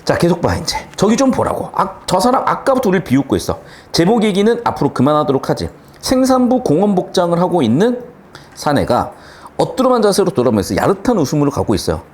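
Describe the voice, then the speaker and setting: Animated, blunt male language teacher. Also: high-pitched, quick pace. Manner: animated, blunt, slangy and profane. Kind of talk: exam-prep literature lecture.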